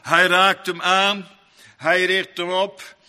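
A man preaching a sermon, swinging between loud, sung-out passages and quiet, low asides. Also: little pitch movement, slow. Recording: long church reverb.

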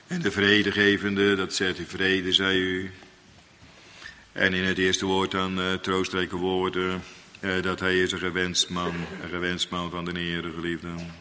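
A man preaching a sermon, swinging between loud, sung-out passages and quiet, low asides. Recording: long church reverb.

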